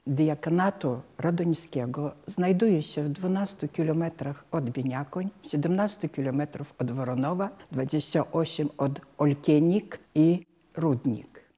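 A woman's voice: low-pitched, dark tone, slightly rough. A woman in her sixties, a parishioner, giving a prepared account in a formal, earnest way. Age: 60s. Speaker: parishioner, local guide. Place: inside a wooden church.

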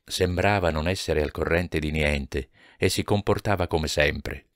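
A man reading a novel aloud as an audiobook narrator, in a measured, even manner. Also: a bass voice, no room sound, studio quality. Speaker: audiobook reader.

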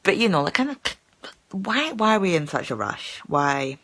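Holding her phone at arm's length in a small room, a stammering channel host talks casually to her live-stream viewers, with lots of fillers and repetitions. She speaks at normal speed in a lowish, fairly bright voice that is very animated.

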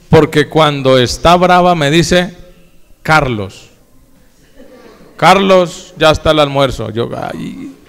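A pastor with a somewhat high, slightly bright, clean voice delivers a sermon in church, chatting casually with the congregation and putting questions to them. The recording has the long reverb of an echoey church hall.

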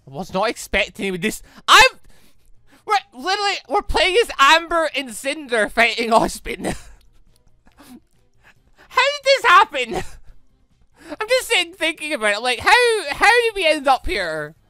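An excitable British gamer rambles through let's play commentary, often breaking off mid-sentence. The voice is recorded close and dry, with music playing behind it. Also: high voice, measured pace, long pauses, no echo. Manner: excitable, rambling, self-interrupting. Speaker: gaming video host. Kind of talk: let's play commentary, reading dialogue aloud. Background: game music.

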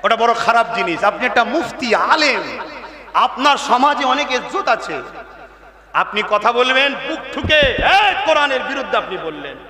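A man preaching an impassioned sermon, shouting and firing rhetorical questions at the crowd. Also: very high voice, sing-song, moderate pace. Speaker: Islamic preacher. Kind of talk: fiery open-air sermon. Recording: echoey loudspeaker sound with long reverb.

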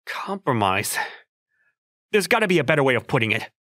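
A man's voice: mid-range voice, brisk, no room sound, studio quality. A man voicing a flustered, skeptical young office worker in a manga dub, sounding incredulous and given to inner narration. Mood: startled. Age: young adult. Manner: exasperated, incredulous, animated.

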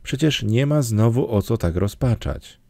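A man voicing a stern, practical middle-aged woman in an audiobook, brisk and curt. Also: mid-range voice, expressive, gravelly, dark tone, no echo. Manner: brisk, curt, matter-of-fact. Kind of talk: audiobook character reading.

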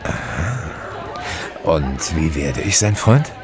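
An actor playing a cool, sardonic demon hunter in a radio play, speaking in a dry, curt, deadpan way. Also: male voice, very deep voice, takes it slowly, vocal fry, full character voice. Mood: probing, smooth. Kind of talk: German radio play acting. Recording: party crowd and music behind.

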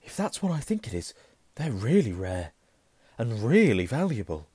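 A man's voice: a little high, animated, a little slow, a little mellow, husky, dry recording, voice pushed up, heavily acted. A man doing a drawling, amazed teenage boy.

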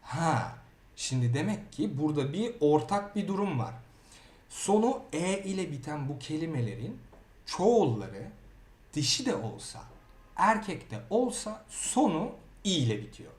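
A Turkish-speaking man teaching grammar in a lively way, often checking in with the learner. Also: a little high, unhurried, roomy sound. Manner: lively, repeats words and asks "okey?". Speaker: Italian teacher. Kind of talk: grammar lesson.

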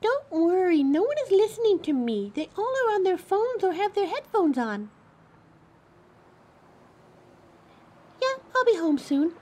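A woman's voice: very high-pitched, sing-song, moderate pace, a little mellow. A woman playing a flustered, defensive young thief with electric powers in an audio drama, chatty and indignant. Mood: scheming, defensive. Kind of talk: scripted audio drama, one side of a phone call. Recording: clear background noise, coffee house ambience.

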